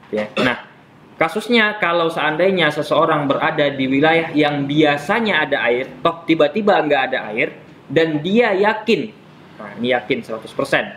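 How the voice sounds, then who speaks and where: Man, casual religious teacher, highish voice, patient step-by-step explainer, teasing, faint room hum. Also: fairly bright tone, low-quality recording. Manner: explains step by step, repeats terms, teases students. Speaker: Islamic jurisprudence teacher. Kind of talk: casual classroom lesson. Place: classroom with students.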